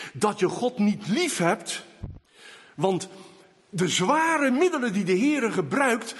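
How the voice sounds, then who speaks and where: A man preaching a sermon in slow, emphatic delivery, now and then rising to loud calls. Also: sits high, slightly rough, big-room sound.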